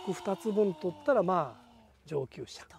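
At a fairly slow pace, a man talks in a high pitch with ordinary pitch variation, the sound dry and close with no echo. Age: 40s. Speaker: strawberry farmer. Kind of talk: casual interview.

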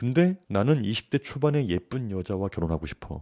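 A man with a dark, mellow tone speaks at a fairly quick pace with lively intonation. The recording is very clean, with a silent background. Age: 40s. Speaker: YouTuber, book reviewer. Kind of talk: monologue, book review. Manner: animated.

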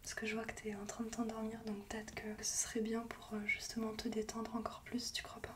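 Over noticeable background noise, the speaker goes at a fairly quick pace with hardly any pauses, the intonation monotone and flat. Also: woman. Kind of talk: soft-spoken ASMR role-play. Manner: soft-spoken, gentle, soothing. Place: home room. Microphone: phone near.

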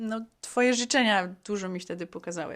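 A normal speaking voice with lively intonation, delivered at a moderate pace on a very clean recording with a silent background. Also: woman. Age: 30s. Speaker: podcast co-host. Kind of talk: casual chat.

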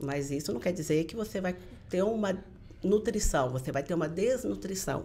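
Light background noise sits behind a woman speaking at a moderate pace. Her voice is fairly low with a dark, mellow tone and lively intonation. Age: 40s. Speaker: sports nutritionist; guest. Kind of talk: casual chat. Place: studio. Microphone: studio mic.

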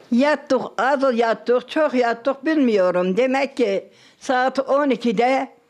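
Against a quiet background, a woman speaks very slowly at a high pitch. Her loudness stays very even, and her pitch varies in an ordinary way. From Erzincan, eastern Turkey. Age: 80s+. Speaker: earthquake survivor. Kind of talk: interview answer. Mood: emotional remembering. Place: home room. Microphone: handheld.

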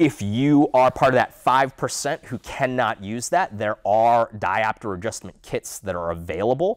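A man at a moderate pace, lively in intonation with hardly any pauses, over a quiet background. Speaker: product presenter. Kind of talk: casual product explainer to camera. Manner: conversational, with frequent fillers. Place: studio. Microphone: lapel.

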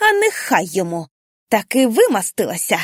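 Doing a put-on character voice, a woman growls at a fairly high pitch and moderate pace, with a dry, close sound and no echo. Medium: read story.

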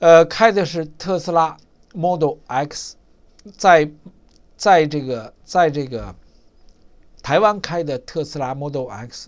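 Speaking very slowly against a quiet background, a man leaves long, frequent pauses, and his loudness swings widely. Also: fairly high pitch for a man, ordinary pitch variation. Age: old. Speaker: political news commentator. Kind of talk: news commentary monologue. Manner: halting, repeats words. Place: studio. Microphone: lapel.

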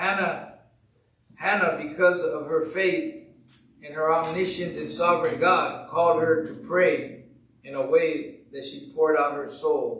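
A man's high voice at a fairly slow pace, with ordinary pitch variation, big swings in loudness and audible room echo. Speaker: preacher. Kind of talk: sermon. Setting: church. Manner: preacherly, call-and-response, repeatedly asking the congregation for 'Amen'; earnest, emphatic, rhythmic cadence with repeated phrases. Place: church. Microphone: podium.

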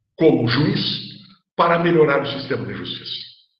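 A man speaks against a quiet background, with audible room echo. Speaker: appellate judge, former lawyer. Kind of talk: panel discussion. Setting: video call. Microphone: earbuds.

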